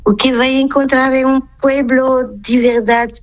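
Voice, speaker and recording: Halting Portuguese-accented woman on a phone line. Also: high-pitched, steady tone. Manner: halting, searching for words, self-correcting. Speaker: nun, interview guest. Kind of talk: phone interview.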